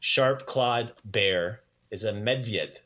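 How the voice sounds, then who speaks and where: A man teaching a casual language lesson in an upbeat, chatty way, repeating words slowly for learners. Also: lowish voice, sharp tone.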